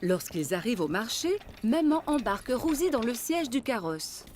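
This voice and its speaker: A woman's voice: a little high, very animated, normal speed. A woman reading scripted narration for a children's cartoon story. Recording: music behind the voice. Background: music.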